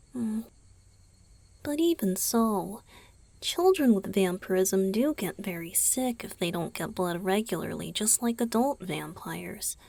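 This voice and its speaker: A woman voicing a gentle, caring young male vampire boyfriend in an ASMR roleplay, soft-spoken and often whispery, with murmured hums. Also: medium pitch, no echo.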